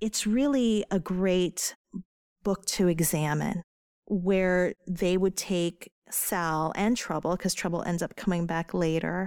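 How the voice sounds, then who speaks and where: A woman with a plain, everyday voice talks at a fairly slow pace, her medium pitch showing ordinary variation. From Philippines, moved to the US at nine. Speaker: romance author. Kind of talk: casual chat.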